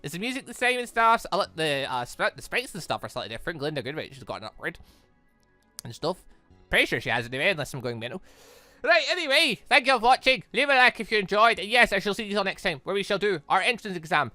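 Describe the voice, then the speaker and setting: Casting: gaming YouTuber, lively swooping pitch, bright forceful tone, chatty and rambling, close dry sound. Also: quick pace, dry recording, faint music behind. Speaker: gaming video host. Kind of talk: casual visual novel playthrough commentary.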